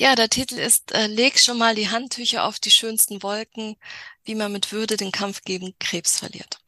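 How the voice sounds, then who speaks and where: Monotone and flat, a woman with a fairly high pitch and a bright, sharp tone speaks at a moderate pace in a dry, close sound with no echo. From Hamburg, northern Germany. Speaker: author and photographer. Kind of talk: casual interview chat about books.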